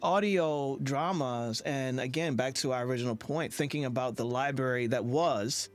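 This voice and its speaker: A man's voice: mid-range voice, moderate pace, soft background music. A man hosting a conversational podcast interview in an earnest, affirming manner.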